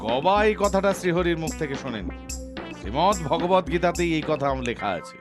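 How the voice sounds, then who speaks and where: Man acting a scheming pompous pandit, swooping pitch. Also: animated, a little fast, lightly acted. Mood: haughty, sly. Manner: theatrical, wheedling, grandly declaiming. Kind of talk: cartoon voice acting. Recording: music behind the voice.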